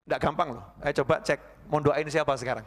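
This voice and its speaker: A man preaching a sermon, murmuring softly as he acts out prayers and rising to emphatic bursts. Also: fairly high pitch, fairly even intonation, fairly quick. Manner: drops to hushed murmurs acting out prayers, rises to emphatic shouts. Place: mosque hall. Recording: long hall reverb.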